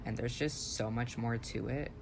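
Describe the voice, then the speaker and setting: A man's voice: mid-range voice, fairly even intonation, moderate pace, vocal fry, noisy background. A young trans man co-hosting a podcast, blunt and joking with a lot of swearing. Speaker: podcast co-host. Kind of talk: casual podcast chat.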